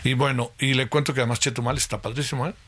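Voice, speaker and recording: A man's voice: medium pitch, fairly even intonation, very fast, fairly bright tone, husky, no echo. A man with a Mexico City accent hosting a news show, chatting casually and folksily with his listeners and posing questions to them. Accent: Mexico City Spanish. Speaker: radio news host.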